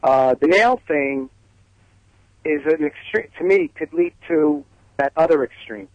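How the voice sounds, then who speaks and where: A man with a heavy Brooklyn accent giving his opinions as a radio caller, speaking in halting, hesitant phrases over the phone. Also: fairly high pitch, no echo. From Brooklyn, New York. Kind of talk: opinionated radio call-in talk. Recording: radio call over telephone line.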